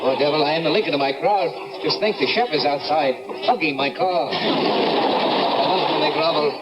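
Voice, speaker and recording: A man's voice: a little high, moderate pace, muffled recording, heavy background noise, lightly acted. A man playing a grandiose, self-satisfied showman in a 1970s TV variety sketch. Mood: boastful. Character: pompous boastful male showman impresario.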